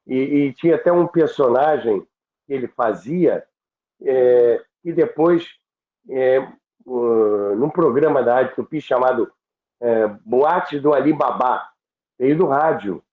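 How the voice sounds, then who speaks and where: A roomy, phone-like recording of a Brazilian-accented man telling stories. He speaks slowly and haltingly, in a fairly high voice, repeating words for emphasis. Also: expressive. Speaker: radio history storyteller on a podcast. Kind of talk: anecdotal storytelling talk. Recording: roomy, tinny phone-like sound.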